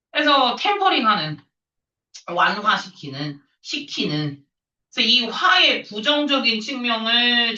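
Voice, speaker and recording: A woman's voice: a little high, sharp tone. A woman teaching an English reading lesson, chatting casually with students and switching between casual and polite speech. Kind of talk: casual classroom lecture. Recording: roomy, distant, dull lo-fi sound.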